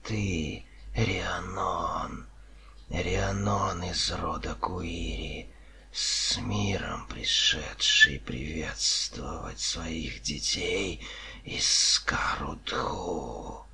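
A man voicing a mocking, arrogant serpent-man leader in an audiobook, in a soft, hissing whisper with a haughty, drawn-out delivery. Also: sits low, heavily acted. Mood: contemptuous. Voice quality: breathy whispering hiss, soft. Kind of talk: audiobook character voice.

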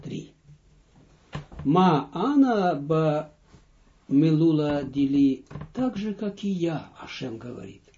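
Male teacher, slow and deliberate, mellow tone, lively pitch, dull lo-fi audio. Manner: slow, deliberate, dictating with pauses; reads phrases aloud, then translates and repeats them. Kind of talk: line-by-line text lesson.

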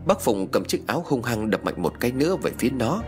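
A male storyteller who narrates a ghost tale with dramatic flair. His pitch swings in lively arcs, and soft music plays quietly beneath him. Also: fast talker.

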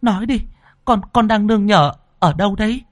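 A man's voice: high-pitched, a little fast, no echo, pitched above the performer's own voice, natural voice. A man doing a stammering, pleading grieving mother. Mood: pleading, anxious. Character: grieving middle-aged mother, a spirit medium.

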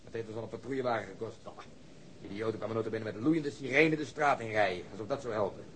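A man acting a brash, reckless, foul-mouthed police detective in a radio drama, talking in a gruff, blunt way. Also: fairly low pitch, fast, fairly bright tone, slight background noise, lightly acted. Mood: grim, matter-of-fact.

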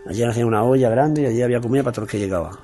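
A man's voice: medium pitch, rapid-fire, mellow, soft background music. A man, speaking as an interview guest in an earnest, plain-spoken, repetitive way. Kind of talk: earnest personal testimony.

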